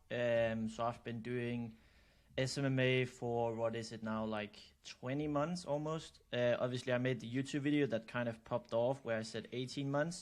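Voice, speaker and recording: A man with a Danish accent and a medium pitch, at a moderate pace. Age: 20s. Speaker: marketing agency owner. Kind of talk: interview.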